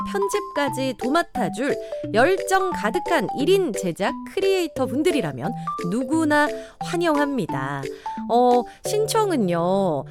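A woman from Daegu hosting a live radio show, chatty and laughing often, in a studio. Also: high voice. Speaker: radio host. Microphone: studio microphone.

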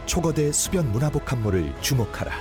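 A man's voice: mid-range voice, big pitch swings, a little fast. A man reading a scripted commercial voice-over with a dramatic, punchy delivery. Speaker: ad announcer. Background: loud music bed.

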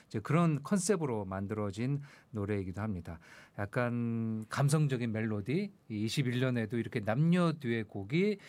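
A man appearing as a music commentator on a radio show, explaining songs in a measured way with frequent fillers, in a studio. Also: mid-range voice, expressive, a little mellow, no room sound. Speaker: music commentator, magazine editor-in-chief guest. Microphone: studio microphone.

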